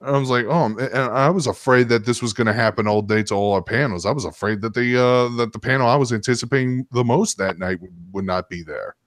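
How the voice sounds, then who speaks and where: A man's voice: mid-range voice, fast, hardly any pauses, dry recording, clean studio sound. A man hosting a casual stream, telling stories in a rambling, sometimes profane way. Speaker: stream host. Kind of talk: casual storytelling chat.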